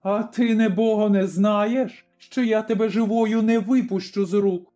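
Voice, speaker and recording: A man's voice: high-pitched, steady tone, measured pace, dark tone, voice pushed up. A man voicing a grim, fearless Cossack father who speaks firmly and commandingly in a storybook reading. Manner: firm, commanding. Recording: slightly dull recording, faint music.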